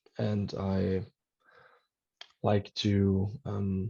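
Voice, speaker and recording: A somewhat breathy voice with a dark, mellow tone speaks in a German accent. The intonation stays monotone and flat over a quiet background. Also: man. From northern Germany, Hanover. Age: 20s. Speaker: student and financial advisor. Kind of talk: casual interview.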